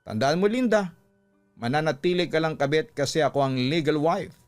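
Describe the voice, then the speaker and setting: A man's voice: a little high, lively intonation, moderate pace, natural voice. A man voicing a furious, hurt spouse confronting a cheater in a dramatized radio story, with emphatic, accusing outbursts. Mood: defiant. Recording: music under the voice.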